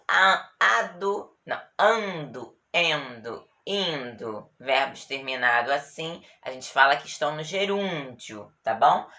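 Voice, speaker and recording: A woman's voice: sits low, a bit bright. A woman teacher with a Brazilian Portuguese accent gives a grammar lesson patiently, stretching out example words and often checking with her students.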